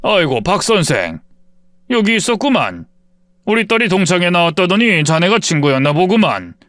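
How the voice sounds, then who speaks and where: A man's voice: high voice, sing-song, normal speed, fairly bright tone, dry recording, clean studio sound. A man voicing an older hospital director who speaks in a folksy, authoritative way. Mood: genial. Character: older male hospital director, genial but stern.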